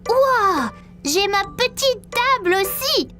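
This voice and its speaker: A woman voicing a curious, excitable four-year-old boy in a French-dubbed children's cartoon, full of eager questions. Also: extremely high pitch, slow pace, over music, heavily acted. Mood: excited. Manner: eager, wide-eyed questions.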